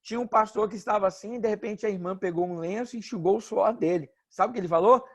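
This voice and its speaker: A Brazilian pastor, a man preaching an informal sermon with joking stories and animated asides. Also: high voice, fast talker. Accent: Brazilian Portuguese.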